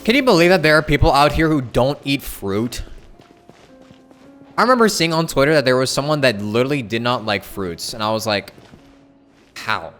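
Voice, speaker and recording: A man's voice: mid-range voice, animated, normal speed, long pauses, a bit bright, faint music behind. A man live streaming a video game, chatting casually and reading aloud in an offhand way. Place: indoors, streaming with game music behind.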